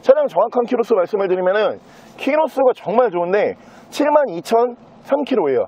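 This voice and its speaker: A man's voice: high-pitched, sing-song, a little fast, mellow, muffled recording. A man presenting a used car in a walkaround sales video, talking in the fluent patter of a car salesman.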